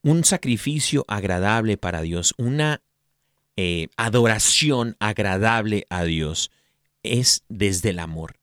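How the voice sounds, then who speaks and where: A man's voice: lowish voice, fairly bright tone, dry recording, clean studio sound. A man co-hosting a casual faith talk, speaking in an earnest, thoughtful way and adding short affirmations. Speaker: Christian talk co-host.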